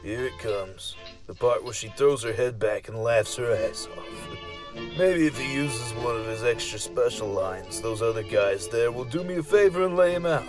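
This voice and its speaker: A man's voice: mid-range voice, moderate pace, over music, natural voice. A man acting out an irritable, wary young guy in a dramatic first-person horror story, muttering and coarse. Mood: wary, annoyed. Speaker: story reader.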